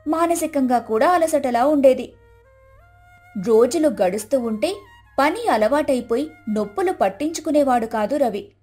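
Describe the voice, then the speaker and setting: High voiced lady narrating a moral story, bit of music behind. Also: expressive, normal speed, darkish tone, husky.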